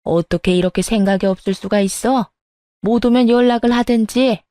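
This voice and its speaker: A woman voicing a bossy middle-aged mother-in-law who scolds slowly and harshly. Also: a little high, mellow, no echo, natural voice. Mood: scolding. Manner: harsh, scolding, slow and emphatic. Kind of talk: story narration with acted voices.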